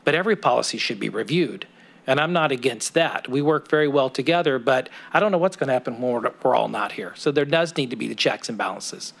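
A man's voice: mid-range voice, expressive, fast, gravelly, a bit bright. A middle-aged man speaking as a city council member in a council chamber, arguing his point step by step. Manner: persuasive, argues point by point. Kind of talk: council meeting remarks. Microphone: desk microphone.

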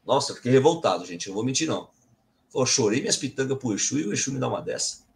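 A man's voice: medium pitch, very animated, fast talker, creaky. Man telling a personal story. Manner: earnest, self-correcting storyteller. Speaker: Umbanda medium and channel host. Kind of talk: personal testimony to viewers.

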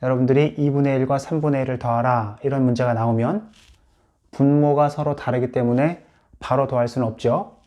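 A man's voice: medium pitch, fairly even intonation, brisk, warm tone. A man teaching English in Korean, patiently explaining and repeating each English word for practice. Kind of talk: explanatory lesson.

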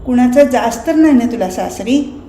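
A woman's voice: a little high, animated, normal speed, mellow. Lady reading as a worried mom, anxious questions, echoey room. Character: worried, fussing mother, middle-aged woman. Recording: roomy recording, faint noise.

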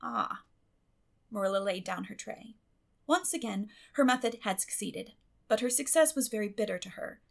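A woman's voice: medium pitch, expressive, moderate pace, gravelly. A woman reading a classic novel as an audiobook narrator, in scripted literary storytelling style.

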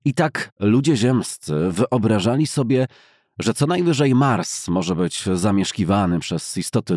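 A man reads literary prose as an audiobook narrator, with a low-pitched, husky voice. His delivery is measured and formal, each phrase set out deliberately. The recording is close and dry, as in a studio. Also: a little mellow, no echo. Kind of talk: scripted literary narration of a classic science fiction novel.

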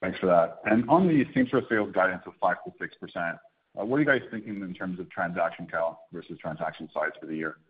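A man's voice: low voice, quick pace. A man asking questions as a financial analyst on an earnings call, heard over a narrow phone line.

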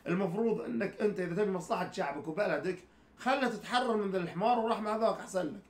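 A man pushes back in an exasperated rush, again and again restating what he meant. His voice is pitched high for a man, and the room around him rings with echo. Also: racing. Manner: exasperated, keeps clarifying his point. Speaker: co-host. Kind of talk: heated casual debate.

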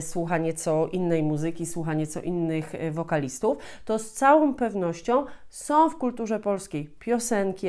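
A woman, giving an expressive explanatory talk and repeating phrases for emphasis. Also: medium pitch. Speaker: host of a video channel for teachers of Polish. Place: small furnished room at home, indoors.

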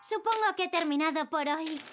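A woman playing a bright, friendly young female rescue team operator in a Spanish-dubbed children's cartoon, cheerful and encouraging. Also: extremely high pitch, fairly quick, music in the background.

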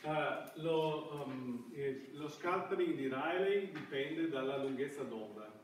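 A middle-aged man gives a classroom lecture in a fairly high voice. He speaks haltingly, restarting phrases as he looks for the word. The sound is very reverberant and picked up from a distance, with faint noise. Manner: halting, searching for words with repeated false starts. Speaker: university lecturer. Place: indoor classroom. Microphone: far camera microphone. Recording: echoey classroom, distant mic, background hiss.

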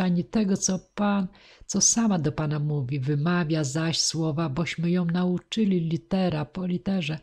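A woman voicing a kindly, patient female teacher of deaf children, explaining gently. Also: fairly low pitch, slightly rough.

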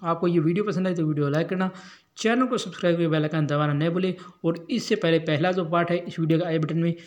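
A man running an education channel, teaching a Sanskrit lesson to schoolchildren and giving the Hindi meaning of each word in a steady drill. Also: a little high, quick pace.

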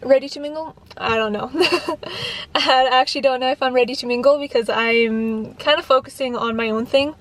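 A woman's voice: high-pitched, normal speed. A woman of twenty-one, raised in Canada, chatting casually to her viewers from a parked car while answering their questions, full of fillers and restarts. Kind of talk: casual Q&A vlog. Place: parked car, indoors of vehicle. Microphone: camera on dashboard, facing her.

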